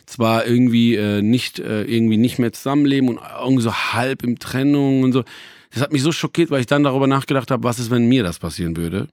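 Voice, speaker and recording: A man's voice: medium pitch, fast, a little mellow, dry recording. Rambling man, dry close sound. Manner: rambling, many fillers and restarts, joking asides. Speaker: hip-hop journalist. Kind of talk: casual chat.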